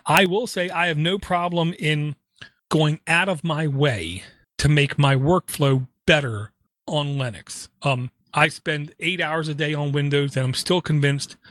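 A man from Ireland co-hosting a casual tech podcast, talking in animated, opinionated bursts with frequent fillers. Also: fairly high pitch, measured pace, no room sound. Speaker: podcast co-host.

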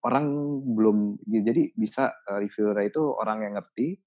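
A man in a casual podcast chat, explaining his advice thoughtfully with many pauses and restarts. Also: lowish voice, phone-quality sound. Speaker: podcast guest.

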